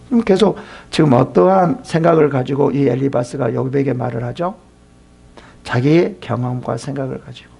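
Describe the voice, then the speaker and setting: A man's voice: medium pitch, vocal fry, darkish tone, slightly rough. A man pastor preaching a sermon at a seminar, asking his listeners questions and dropping into whispered asides. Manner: asks the congregation questions, drops to whispered asides.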